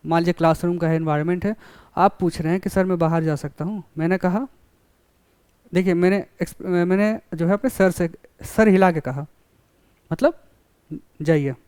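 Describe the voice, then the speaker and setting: A man's voice: high-pitched, steady tone, moderate pace, pauses often, darkish tone, smooth, no room sound. A man giving a college lecture, explaining with classroom examples and often checking that students follow.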